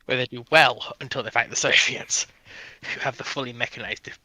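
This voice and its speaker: A man's voice: medium pitch, steady tone, fairly quick, bright, forceful tone, no echo, low-quality recording. A man on a livestream panel, explaining history casually and step by step in short clauses.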